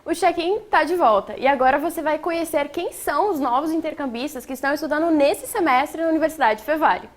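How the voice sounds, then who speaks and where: A woman's voice: high voice, quick pace, hardly any pauses. A woman hosting a studio talk show, asking long chatty questions. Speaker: show host.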